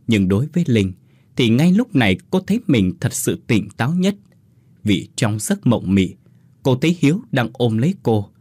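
Expressive husky-voiced male storyteller. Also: mid-range voice, dry recording. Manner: lively, expressive reading. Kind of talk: scripted story narration.

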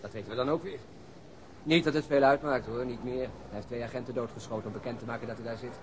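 Man playing a quick, cautious, grumbling wounded detective. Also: mid-range voice, fairly even intonation, a little hiss or hum, close to an everyday voice, poor audio. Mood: weary, wry. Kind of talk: radio drama acting.

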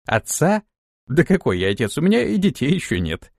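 A man's voice: on the high side, huge pitch swings, brisk, a little mellow, dry recording, clean studio sound, full character voice. A man voicing a brash, hot-tempered young lord in an audiobook, given to indignant outbursts. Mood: baffled.

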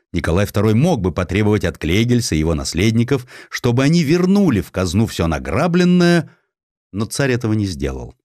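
Low-voiced man narrating with expressive range. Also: dry recording, clean studio sound. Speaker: audiobook narrator. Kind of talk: dramatic literary narration of a historical story.

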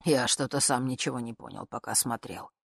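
A woman reading an audiobook, voicing an old male dictator who swings from loud grumbling to hushed, sulky muttering. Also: mid-range voice, brisk, gravelly, husky, no echo, clean studio sound. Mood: subdued.

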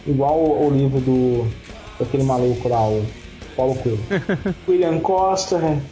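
A man's voice: medium pitch, a little slow, mellow. A young Brazilian man with a Brazilian Portuguese accent, co-hosting a podcast in casual, joking chat and swearing freely. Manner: jokey, swears freely, laughs a lot. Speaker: podcast co-host. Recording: roomy echoey home recording. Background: faint guitar music.

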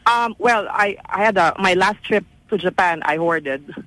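A female caller from Hong Kong with a bright, mid-pitched voice. She talks hesitantly, stopping and restarting as she calls in to a radio show. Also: rough recording. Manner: hesitant, halting with fillers. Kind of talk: phone-in chat.

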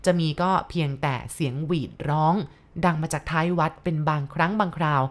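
A woman with a fairly low voice tells a ghost story to her listeners. She keeps a polite, courteous tone and speaks to the audience directly. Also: fairly even intonation, brisk. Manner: polite, addresses listeners with soft particles. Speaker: horror story narrator. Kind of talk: told ghost story narration.

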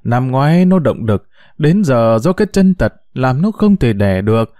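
A man's voice: mid-range voice, big pitch swings, moderate pace, dark tone, no echo, studio quality, close to an everyday voice. A man voicing a tearful middle-aged village woman who pleads in a choked voice, in a storybook reading.

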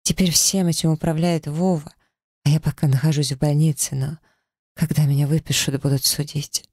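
A man's voice: on the high side, little pitch movement, normal speed, darkish tone, slightly rough, dry recording, studio quality. A man voicing a frightened young woman who pleads through tears in an audiobook. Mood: pleading. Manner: pleading, tearful.

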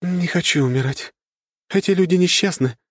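A man voicing a beautiful young woman who speaks in soft, sighing tones, gentle but wilful. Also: high voice, moderate pace, no echo, clean studio sound, pitched above the performer's own voice.

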